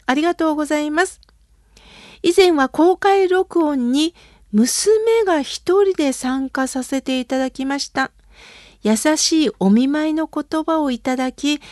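High-voiced woman gently reading listener letters. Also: dry recording, clean studio sound. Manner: soft, polite and reflective. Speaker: radio host reading listener mail.

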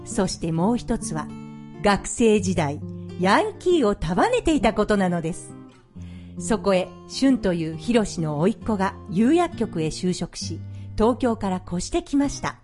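A woman's voice: mid-range voice, very animated, unhurried, a little mellow. A woman reading a scripted story narration. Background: guitar music.

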